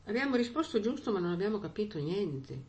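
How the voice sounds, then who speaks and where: A woman's voice: medium pitch, big pitch swings, brisk, darkish tone. A woman preaching a sermon in a conversational way, often checking in with her listeners with little asides.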